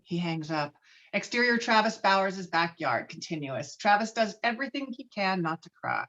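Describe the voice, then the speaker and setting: A woman's voice: medium pitch, very animated, normal speed, a bit bright, highs cut off. A woman narrating screenplay stage directions with a dramatic, emphatic read on a video call.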